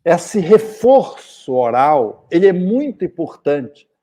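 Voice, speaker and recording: A man's voice: on the high side, big pitch swings, slow pace, mellow. A middle-aged man from Brazil giving a spiritist lecture, telling anecdotes and acting out short bits of dialogue.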